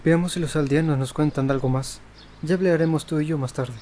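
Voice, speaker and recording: A man's voice: a little high, steady tone, fast talker, mellow, a little hiss or hum. A man hosting a gaming video, reading game dialogue aloud. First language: Spanish.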